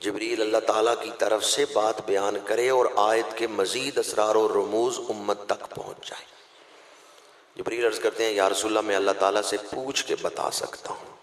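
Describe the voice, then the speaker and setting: A man with a Pakistani Punjabi accent preaching a sermon, swinging between loud impassioned outbursts and quiet explanation. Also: on the low side, level tone, normal speed. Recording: echoey long reverb of a hall.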